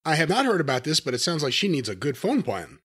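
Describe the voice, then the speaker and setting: A man co-hosting a podcast, speaking earnestly and in a measured way, gently skeptical in casual chat. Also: a little high, very animated, husky. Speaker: podcast co-host.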